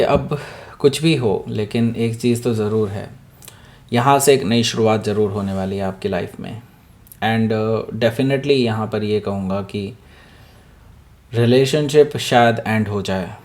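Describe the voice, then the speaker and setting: Hoarse man reading tarot. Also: lowish voice, darkish tone. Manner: mixes Hindi with English phrases, many fillers. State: sore throat, clearing it. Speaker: tarot reader. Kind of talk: casual tarot reading to camera.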